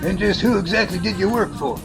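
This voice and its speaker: A man's voice: high voice, fairly quick, gravelly, music in the background. A man playing a friendly but skeptical, mildly condescending organizer in an amateur audio drama. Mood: doubtful.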